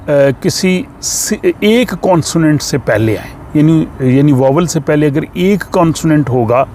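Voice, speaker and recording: A man teaching a language lesson, explaining slowly and patiently with frequent pauses and fillers. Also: on the high side, warm tone, slight background noise. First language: Urdu.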